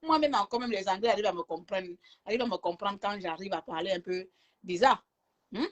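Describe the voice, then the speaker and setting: A woman's voice: mid-range voice, brisk. A woman vlogging in casual chat from a hotel room, talking in a chatty, teasing way and laughing often. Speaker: travel vlogger.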